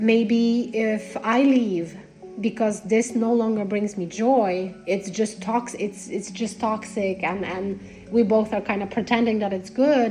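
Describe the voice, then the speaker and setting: A woman with a non-native accent speaks at a fairly slow pace and a fairly high pitch, her intonation fairly even. Music plays in the background. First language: not English. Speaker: spiritual content creator. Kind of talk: spiritual monologue. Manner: halting, self-correcting.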